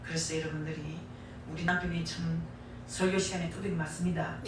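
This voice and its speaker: A woman's voice: deep voice, level tone, brisk, a little hiss or hum. A middle-aged woman with a Gyeongsang Korean accent preaching a sermon, emphatic and folksy, repeating key phrases for weight. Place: church sanctuary. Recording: echoey church hall, distant mic.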